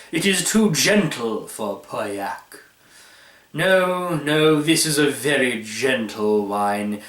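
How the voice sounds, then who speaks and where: Storybook connoisseur, male reader acting: smug, imperious, fussy, unhurried delivery, heard roomy and off-mic. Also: mid-range voice, fairly bright tone. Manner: deliberate, pompous, savoring each phrase. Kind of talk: dramatized short-story reading. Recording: roomy, echoey, distant microphone.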